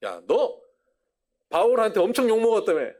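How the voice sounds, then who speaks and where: A man voicing a blunt, gruff middle-aged male apostle who talks in a brusque, scolding way and then confesses. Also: sits high, huge pitch swings, moderate pace, dark tone, pitched above the performer's own voice.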